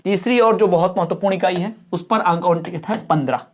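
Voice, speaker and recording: A woman teacher giving an exam-prep lecture, often asking if things are clear and adding up marks aloud. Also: lowish voice, fairly quick, a little mellow.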